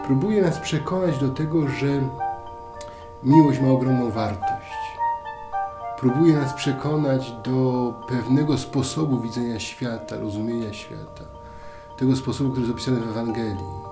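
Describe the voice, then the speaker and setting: A priest in his fifties giving a thoughtful spiritual talk to camera, asking questions and then settling into quiet answers. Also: mid-range voice, moderate pace. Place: dim room at a table, indoors. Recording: roomy echo, faint music.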